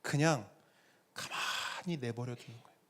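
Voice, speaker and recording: A middle-aged man preaching a sermon as pastor, with dramatic pauses and acted-out quotes. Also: medium pitch, a bit bright.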